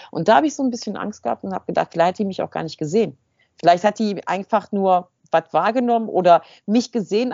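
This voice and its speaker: A woman with a husky voice and a mid pitch tells a story in a relaxed chat, acting out the lines of each person. Her voice sounds close and dry, with a slightly dull, lo-fi tone. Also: no echo. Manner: lively, animated storytelling with quoted dialogue. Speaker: podcast co-host.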